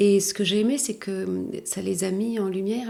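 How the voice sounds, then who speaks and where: A woman's dark, mellow voice at medium pitch, flat and monotone in intonation. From southern France (Haute-Provence). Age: 50s. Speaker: author and filmmaker. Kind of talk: podcast interview, personal testimony. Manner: hesitant, many fillers; calm, gentle.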